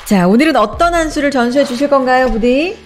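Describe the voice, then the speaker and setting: 부동산 토크쇼에서 질문을 던지며 맞장구치는 여성 MC입니다. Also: female voice, high-pitched, brisk. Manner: lively, asks questions, frequent backchannel. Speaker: show MC. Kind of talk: talk show co-host banter.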